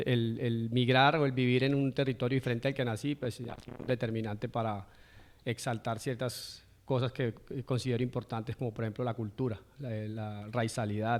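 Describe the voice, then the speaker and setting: A man speaks at a medium pitch with an Antioquian accent. His intonation stays fairly even and his pace is moderate. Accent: keeps Antioquian (paisa). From Colombia, San Andrés island (born in Medellín). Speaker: urban artist. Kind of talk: panel discussion. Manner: hesitant, many fillers.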